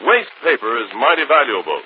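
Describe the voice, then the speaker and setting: A man's voice: mid-range voice, very animated, fairly quick. Hearty 1940s radio announcer man. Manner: hearty, persuasive. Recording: tinny old radio broadcast, faint hiss.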